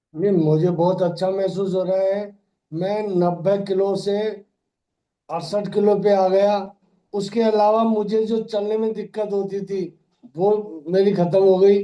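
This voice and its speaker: A man speaks high in pitch with a dark, mellow tone. His intonation stays monotone and flat. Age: 60s. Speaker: retired-age shopkeeper, wellness client. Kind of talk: interview testimony.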